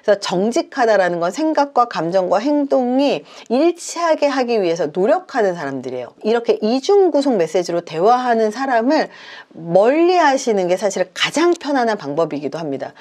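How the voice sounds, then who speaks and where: A woman's voice: a little high, very animated, normal speed, hardly any pauses, darkish tone. A woman psychologist giving advice on communication, explaining point by point in numbered steps. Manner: explains in numbered points, acts out example lines.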